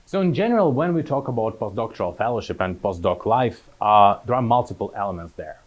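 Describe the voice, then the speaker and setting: A man in his thirties with a somewhat low voice gives an academic talk as a postdoctoral researcher. He speaks haltingly, with frequent fillers and restarts. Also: expressive. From Kazakhstan. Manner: hesitant, many fillers and restarts.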